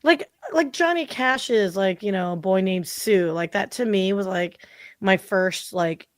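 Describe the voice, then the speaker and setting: A woman in her forties, a marketing consultant appearing as a podcast guest, chats casually and animatedly in this interview, packing her speech with "like" and other fillers. Her mid-range voice is slow, recorded in studio quality with no room sound.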